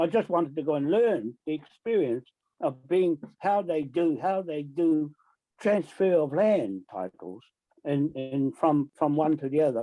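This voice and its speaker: In a New Zealand accent, a man with a dark, mellow tone talks at a moderate pace with lively intonation, the sound dry and close with no echo. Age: 70s. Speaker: sovereignty activist, retired mechanic. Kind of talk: radio interview. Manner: halting.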